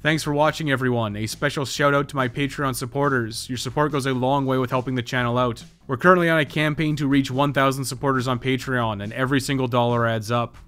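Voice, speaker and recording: A man's voice: medium pitch, steady tone, fast, few pauses, a bit bright. A man narrating a scripted video game guide in a matter-of-fact way, with dry, wry asides. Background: background music.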